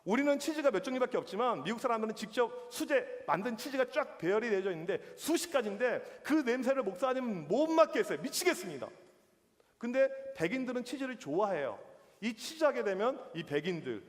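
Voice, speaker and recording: A male youth pastor preaches in a high, very lively voice, telling stories and acting out the reactions in them. His voice rings with a long reverb from the church hall. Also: fairly quick. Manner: animated storytelling with acted-out reactions. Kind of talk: sermon.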